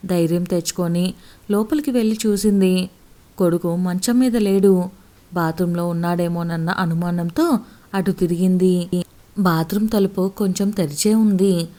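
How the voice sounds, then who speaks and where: A woman storyteller reading a scripted story in a steady, expressive way. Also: lowish voice.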